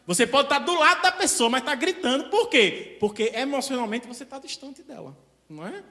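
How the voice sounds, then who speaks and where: A man with a Brazilian accent giving a spiritist lecture in an animated, conversational way, with frequent questions to the audience. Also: very high voice, brisk.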